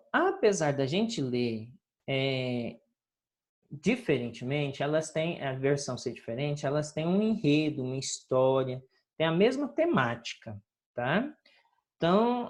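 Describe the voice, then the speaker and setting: A woman teacher going over homework in a recorded lesson, patient and drawn-out, often checking in with her students. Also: low voice, darkish tone. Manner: patient, drawn-out, sing-song teacher talk with frequent checks like "ok?".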